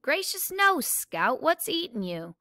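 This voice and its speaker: A woman voicing a blunt, quick-tempered teenage big brother in a read-aloud novel. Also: high voice, sing-song, bright, forceful tone, no echo, clean studio sound, voice pushed up, full character voice. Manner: blunt, brusque.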